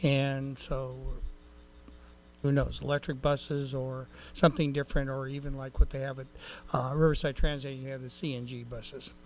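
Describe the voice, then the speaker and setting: A man's voice: mid-range voice, level tone, normal speed, a little mellow, a little hiss or hum. A man giving a rambling, folksy report at a city council meeting, with many fillers and restarts. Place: council chamber.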